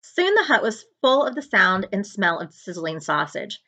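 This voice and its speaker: A woman reading a children's book aloud as a librarian would, in an expressive narrating style. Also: mid-range voice, moderate pace.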